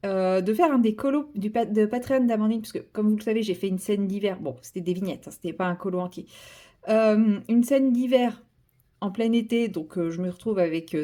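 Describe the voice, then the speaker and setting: Young woman vlogger rambling about her coloring, lots of euhs, mid pitch, mellow voice. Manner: rambling, many fillers and restarts, self-mocking. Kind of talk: casual chat while coloring.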